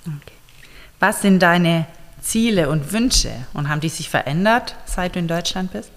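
A woman interviewing a young man, asking gentle, careful questions with frequent fillers. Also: lowish voice, expressive, normal speed, in a large hall.

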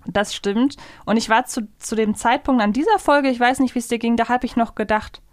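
A woman co-hosts a podcast, casually reviewing audio dramas, analyzing and thinking aloud as she goes. Her voice sits on the high side and runs a little fast, and the recording is dry with clean studio sound.

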